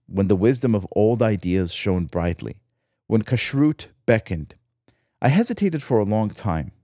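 With a fairly low pitch and a dark tone, the host, an Israeli man, narrates a reflective personal essay from a script, wry and lyrical in his storytelling. The recording is dry and clean, studio-made.

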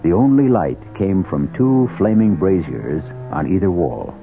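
A man playing a grave, ominous storyteller, giving measured, formal scripted narration for a radio mystery. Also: sits low, sing-song, gravelly, exaggerated voice. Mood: grave, scene-setting. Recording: tinny radio recording. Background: prominent music.

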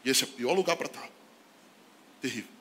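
A man from Brazil, a pastor preaching a sermon, swinging from shouted emphasis to hushed asides and laughing often. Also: medium pitch, expressive, fairly quick.

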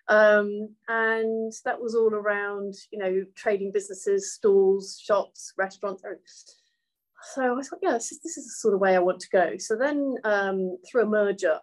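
A woman's voice: medium pitch, low-quality recording. A middle-aged woman who grew up in Hong Kong, talking thoughtfully in a casual interview, with many ums and uhs. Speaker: guest, hotel valuation executive.

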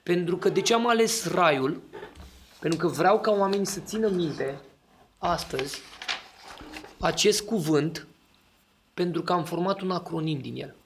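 A man's voice: sits high, long pauses, a little hiss or hum. A man in casual podcast talk, explaining his ideas and often checking that the listener agrees.

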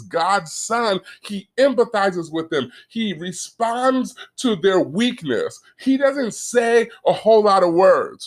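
A man preaching an earnest sermon, reading scripture slowly, repeating words as he builds a point and talking straight to his listeners. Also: high voice. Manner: reads scripture slowly and deliberately; addresses listeners directly and conversationally.

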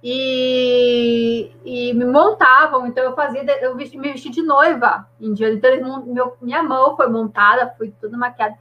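A woman chatting on a video call, telling a story in an animated way. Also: high-pitched, normal speed, few pauses, highs cut off. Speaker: live stream participant. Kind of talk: casual chat on a video call.

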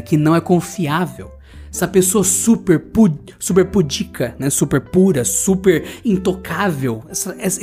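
A man's voice: sits high, a little mellow. Indignant, foul-mouthed Brazilian man. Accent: Brazilian Portuguese. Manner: profane, blunt and indignant. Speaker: podcast host. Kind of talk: solo podcast monologue, ranting anecdote.

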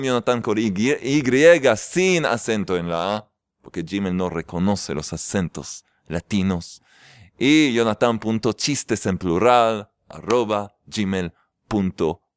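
A man's voice: medium pitch, clear, resonant tone, no echo, clean studio sound. Cheerful man leading a faith class. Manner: cheerful and joking, keeps exclaiming with delight. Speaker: religious teacher hosting a faith class. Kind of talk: lively religious class talk. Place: yeshiva study hall.

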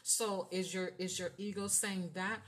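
A woman's voice: mid-range voice, fairly even intonation, measured pace, fairly bright tone. Chatty woman giving a tarot reading. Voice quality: voice that carries. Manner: chatty, filler-heavy, often asks "right?". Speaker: tarot reader. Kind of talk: casual spiritual reading.

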